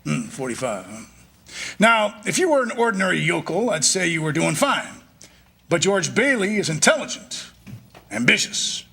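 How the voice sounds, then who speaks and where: A man's voice: fairly high pitch, sing-song, moderate pace, gravelly, bright, forceful tone, slightly rough, exaggerated voice. A man playing a scheming, condescending rich old man in a staged 1940s-style radio drama, wheedling and commanding. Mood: sly, condescending. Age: older.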